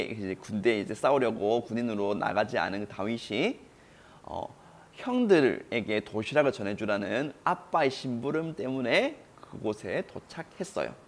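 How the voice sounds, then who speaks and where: A male pastor telling a Bible story to children in an animated, storytelling manner. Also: mid-range voice.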